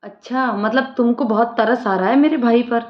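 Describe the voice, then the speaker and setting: A woman voicing a lively young woman, an outspoken sister-in-law who jokes and bosses others around. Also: fairly high pitch, normal speed, lightly acted. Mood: teasing. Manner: bossy, joking, outspoken. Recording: roomy lo-fi room sound.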